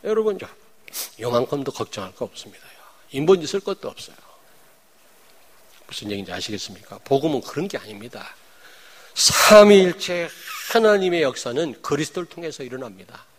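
Lively-pitched man preaching a sermon. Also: brisk, long pauses. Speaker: pastor.

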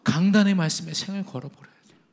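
A male preacher delivering a sermon with a fairly high-pitched voice. He talks emphatically, pushing up into loud exhortations and then dropping down low. He acts out the dialogue of his own anecdotes. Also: quick pace, creaky. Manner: tells a family anecdote with quoted dialogue.

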